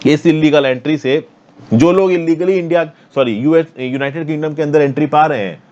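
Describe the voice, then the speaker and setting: A man's voice: a little high, brisk, a little mellow, highs cut off. A man from India teaching an exam-prep lesson on current affairs in casual Hindi mixed with English terms, checking in with his students often. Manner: explains with map, frequent "thik hai na". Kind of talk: exam-prep editorial explainer.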